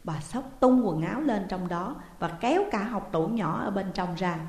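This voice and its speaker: Một người phụ nữ giọng miền Nam kể chuyện, đọc đều và đầy kịch tính. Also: female voice, medium pitch, lively intonation, normal speed, a little mellow. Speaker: storyteller. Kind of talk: audiobook narration. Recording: roomy reverberant hall sound.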